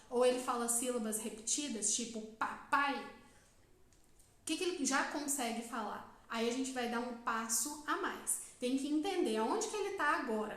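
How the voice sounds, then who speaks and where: A Brazilian woman, a psychologist, giving a live-stream talk and explaining step by step, often checking in with her listeners with a quick "tá?". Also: fairly high pitch, fairly bright tone, heavy reverb. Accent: Brazilian Portuguese. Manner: explanatory, frequent "tá?" check-ins, asks questions and answers them herself.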